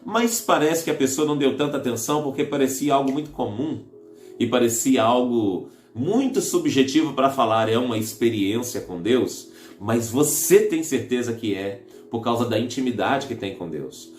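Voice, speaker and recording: A man with a Brazilian accent delivers an earnest sermon in a church hall, speaking at a mid pitch. The room rings with echo, and soft music plays faintly underneath. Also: lively intonation, moderate pace. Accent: Brazilian Portuguese. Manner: earnest, addresses listeners as brothers, rephrases mid-sentence. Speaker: preacher.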